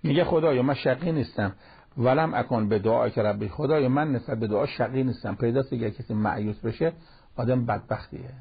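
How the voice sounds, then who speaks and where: A man's voice: medium pitch, gravelly, husky. A man giving a conversational sermon on Quran verses in speech, quoting Arabic verses now and then. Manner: plain conversational preaching, quotes Arabic verses. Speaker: cleric giving a Quran commentary talk. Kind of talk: sermon-style Quran commentary. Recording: dull lo-fi broadcast recording.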